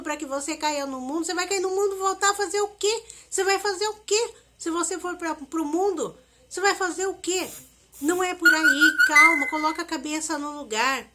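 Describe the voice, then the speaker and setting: A woman's voice: sits high, fairly bright tone. A woman putting on a pleading devout friend. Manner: pleading, insistent, repeats herself. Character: adult woman friend, urgently calming, devout.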